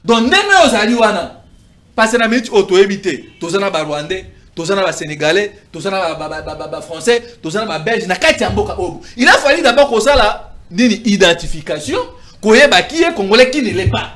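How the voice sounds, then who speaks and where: A man's voice: high voice, fairly quick. A man in his thirties arguing politics in a heated TV studio debate, gesturing a lot and stumbling over repeated syllables. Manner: animated, gesturing, stammering restarts. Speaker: political commentator. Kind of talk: heated talk-show debate. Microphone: lapel.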